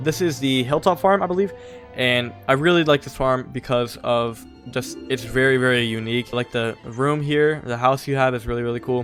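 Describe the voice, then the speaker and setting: Music plays in the background as a man speaks at a moderate pace in a relaxed tone. His medium pitch varies in an ordinary way. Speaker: gaming YouTuber. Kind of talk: casual gameplay commentary. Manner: casual, relaxed.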